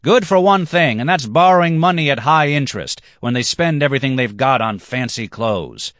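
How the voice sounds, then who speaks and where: A man voices a drunken, quarrelsome black-haired character who sneers at everyone around him. His mid-range, slightly bright voice is pitched above his own natural voice, with lively intonation at normal speed. The recording is dry, with clean studio sound.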